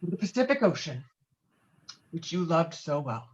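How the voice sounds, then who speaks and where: A woman's voice: low-pitched, big pitch swings, a little slow, highs cut off. A woman playing a hot-headed, pompous middle-aged male veteran and bowler in an online script read. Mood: solemn, pompous. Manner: blustering, pompous, foul-mouthed. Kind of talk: virtual table read of a film script. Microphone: video call.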